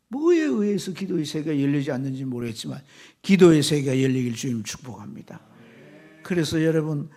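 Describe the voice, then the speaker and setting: A man, a pastor, preaching a sermon with fervor, swinging from loud exclamations to hushed whispers. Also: a little high.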